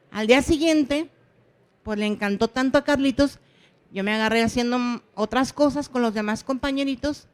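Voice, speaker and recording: A woman with a Mexican accent, a preschool teacher, telling an animated story at a workshop and acting out the lines she quotes. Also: fairly high pitch, smooth. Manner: animated, acts out quotes with exclamations.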